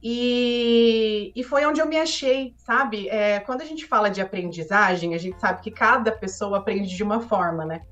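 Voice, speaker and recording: A woman who works as an educational consultant, talking earnestly in a relaxed podcast conversation and often tagging her sentences with filler words. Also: mid-range voice, normal speed, few pauses, muffled recording. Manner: earnest, frequent filler tags.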